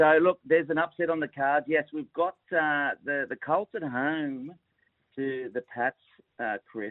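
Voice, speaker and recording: A man's plain, everyday voice, fairly slow, with ordinary pitch variation. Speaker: NFL commentator. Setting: phone call.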